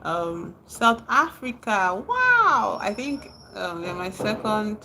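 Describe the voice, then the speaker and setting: A woman's voice: mid-range voice, big pitch swings, takes it slowly, pushed and bright, a little hiss or hum, rough recording. A woman from Nigeria with a Nigerian accent, chatting casually on a livestream, reading out and answering viewers' comments and laughing often.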